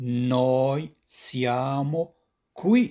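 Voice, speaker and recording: A man's medium-pitched voice with a dark, mellow tone and ordinary pitch variation, on a very clean recording against a silent background. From Morocco, Beni Mellal. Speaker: language teacher. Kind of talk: tutorial. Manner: slow, repetitive drilling.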